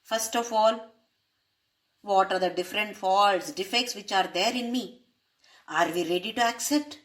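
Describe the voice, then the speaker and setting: Slow, measured woman teaching scripture. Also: medium pitch. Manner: asks rhetorical questions to listeners; uses Sanskrit terms. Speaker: spiritual teacher. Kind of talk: explaining a spiritual text.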